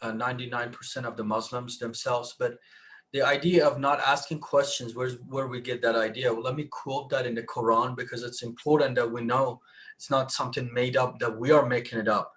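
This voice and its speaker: Man telling a story in halting restarts. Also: medium pitch, fairly even intonation, a bit bright, slight background noise. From Iran. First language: Persian. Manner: halting, many restarts, rising emphasis. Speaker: panelist. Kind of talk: live online discussion.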